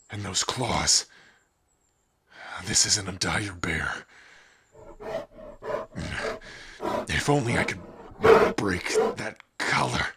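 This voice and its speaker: A man voicing an honorable young male orc warrior in a fantasy audio roleplay, earnest and measured. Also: lowish voice, gravelly, pushed and bright, breathy edge, full character voice. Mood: hushed, compassionate.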